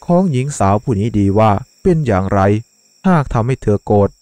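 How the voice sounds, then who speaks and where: A man narrating a dramatic horror story in a measured, suspenseful way. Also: on the low side, lively intonation, mellow, no echo. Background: faint music.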